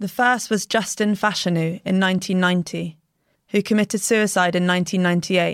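A woman with an unremarkable speaking voice talks fairly slowly, at medium pitch with fairly even intonation. The recording is very clean, its background silent. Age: 30s. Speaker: journalist and podcast producer. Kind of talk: reading aloud.

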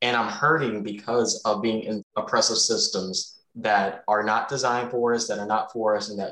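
Here is a man with an ordinary speaking voice. He speaks at medium pitch and a moderate pace. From US South, South Carolina. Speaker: psychology professor. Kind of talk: interview. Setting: video call.

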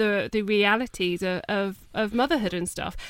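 A woman with a British accent and a medium-pitched voice speaks at a fairly slow pace in a very clean recording with a silent background.

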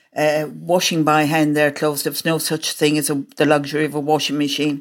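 This speaker has an Irish accent and talks at a moderate pace. The recording is very clean, with a silent background. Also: woman. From Ireland. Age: 70s. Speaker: abuse survivor. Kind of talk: personal testimony. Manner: animated.

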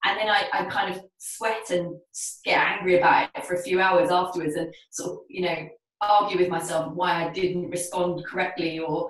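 With audible room echo, a woman speaks at a moderate pace with fairly even intonation. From England, Essex (Gants Hill, east London). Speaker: magazine co-founder. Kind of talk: casual chat.

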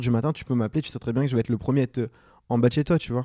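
Medium-pitched male voice, dark and mellow, with fairly even intonation, dry and close with no echo, on a very clean recording over a silent background. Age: 20s. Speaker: podcast guest, friend of the host. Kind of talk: casual chat.

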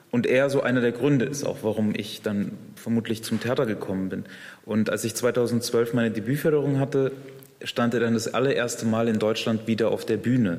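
Fairly even in intonation, a man uses an ordinary speaking voice at medium pitch and a fairly quick pace. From Germany. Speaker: theatre director and writer. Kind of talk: casual chat.

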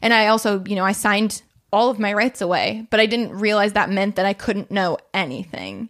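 At a fairly quick pace, a woman speaks at a medium pitch in a plain, everyday voice. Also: fairly even intonation. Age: 20s. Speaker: egg donor and podcast listener. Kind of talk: casual interview.

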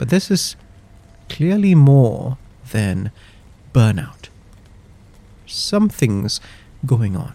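A man's dark, mellow, somewhat breathy voice at a medium pitch, very slow in pace, with very wide pitch swings and long, frequent pauses. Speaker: horror story narrator. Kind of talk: scripted horror story narration, first-person, told in a hushed spooky tone. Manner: slow, suspenseful, building dread with measured pauses.

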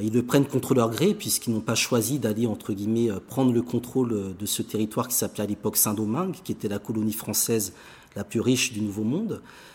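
He has a plain, everyday voice, pitched at a medium level with ordinary pitch variation. The man speaks at a fairly quick pace. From Benin. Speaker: historian. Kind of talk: interview.

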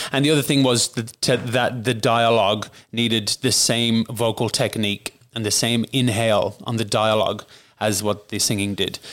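In an Irish accent, a man speaks at a medium pitch and moderate pace with monotone, flat intonation. The recording is very clean with a silent background. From Ireland. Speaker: musical theatre performer and dancer. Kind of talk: casual interview chat.

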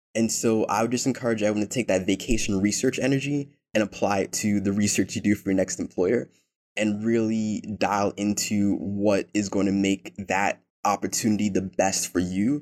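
A man in an American accent with an unremarkable speaking voice, moderate pace and very even loudness. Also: fairly low pitch for a man, fairly even intonation. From New York City. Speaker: career coach. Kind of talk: interview.

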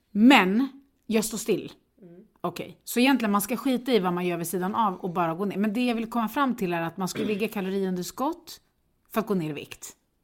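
On a very clean recording with a silent background, a woman speaks at a fairly quick pace and medium pitch, a normal speaking voice. Her pitch variation is ordinary while her loudness swings widely. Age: 40s. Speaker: podcast co-host. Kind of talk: casual chat.

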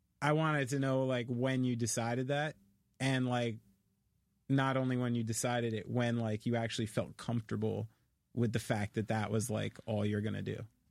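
At a moderate pace and medium pitch, a man talks with fairly even intonation, very even loudness, and long, frequent pauses. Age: 30s. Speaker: drummer. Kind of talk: casual chat.

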